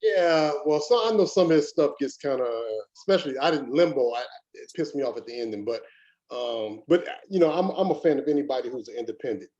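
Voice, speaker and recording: A man's voice: fairly high pitch, expressive, fairly quick, a little mellow, muffled recording. A man chatting casually as an actor among colleagues, often repeating words as he starts a thought. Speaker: actor reading at a table read. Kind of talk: casual chat.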